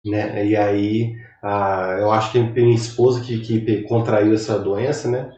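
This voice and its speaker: A man's voice: lowish voice, level tone, a little slow, warm tone, echoey room, distant mic, highs cut off. A man in his thirties with a Brazilian Portuguese accent, giving a recorded online lecture in a rambling, conversational way while he recovers from a cold. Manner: rambling, conversational, chatty asides. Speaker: university lecturer.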